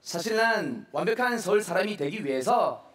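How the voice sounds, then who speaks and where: A man's voice: sits high, expressive, normal speed, fairly bright tone. A man playing a self-important young provincial who poses as a Seoul sophisticate in stage sketch comedy, with exaggerated lilting sentence endings. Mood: haughty. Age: young adult. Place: large theatre stage, indoors. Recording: noisy live TV stage with audience.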